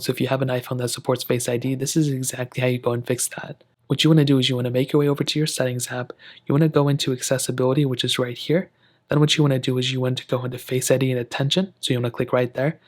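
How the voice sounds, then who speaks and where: A man presents a casual how-to tutorial at a very brisk clip. His pitch stays flat and steady throughout, and his phrasing is informal and wordy, aimed directly at the viewer. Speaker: tech tutorial host. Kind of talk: casual step-by-step tutorial narration.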